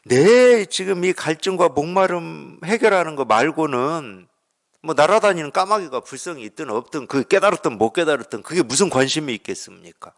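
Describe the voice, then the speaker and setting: Korean zen teacher guy giving a dharma talk, kinda high voice that swings around a lot, chatty, rhetorical questions. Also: expressive, normal speed. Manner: conversational, asks rhetorical questions, acts out dialogue.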